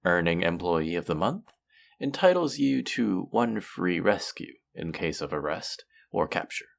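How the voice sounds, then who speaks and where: A man playing a suave, pleasant supervillain in a scripted audio roleplay, speaking in a polished, measured, theatrical and amiable way. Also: deep voice, very animated, gravelly, heavily acted. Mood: businesslike, inviting. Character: suave, pleasant male supervillain interviewing a minion recruit. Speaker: voice actor. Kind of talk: scripted roleplay audio drama, conversational monologue.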